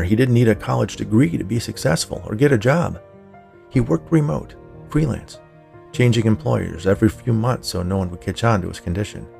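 A man's voice: fairly low pitch, gravelly, darkish tone. A man narrating a scripted fiction story as a podcast storyteller. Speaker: writer, narrator and podcast host.

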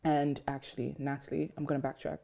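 A woman's voice: deep voice, brisk, vocal fry, crowd noise. A young woman from Ghana, a podcast guest, chatting casually and rambling with lots of "like" and "um". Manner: relaxed, rambling, many "like" and "um" fillers. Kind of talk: casual interview chat.

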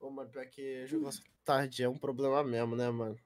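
A man's voice: medium pitch, level tone, quick pace. A Brazilian man co-hosting a podcast, teasing the others with crude banter. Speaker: podcast co-host. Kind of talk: casual podcast chat.

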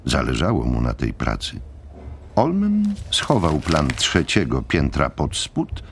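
Very deep gravelly male audiobook narrator. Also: wildly swooping pitch, takes it slowly. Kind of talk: scripted dramatic novel narration.

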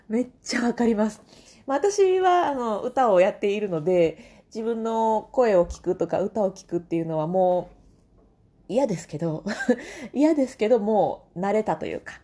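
A woman's voice: medium pitch, animated, moderate pace, dark tone. A woman hosting her own casual talk show, chatting alone, reading listener comments and laughing often. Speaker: podcast host.

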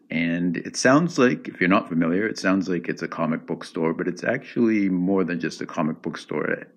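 A man with a deep voice hosting a casual solo podcast, rambling with ums and restarts, recorded on an iPod's built-in microphone at home. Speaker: podcast host. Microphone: iPod built-in microphone.

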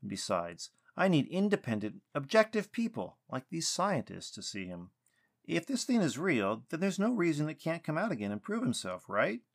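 Male narrator doing an awkward polite official guy in an audiobook, doubtful but firm, higher voice. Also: big pitch swings, moderate pace. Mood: stern, doubtful. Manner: hesitant, courteous, businesslike. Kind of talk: audiobook character dialogue.

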